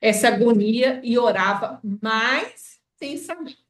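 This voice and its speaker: Brazilian woman, Bible study teacher; lively, slightly high, recorded distant in a roomy space. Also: unhurried. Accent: Brazilian Portuguese. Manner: explains with frequent checks like "tá?" and "né?". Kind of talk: informal Bible study lesson. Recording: echoey room, voice off-mic.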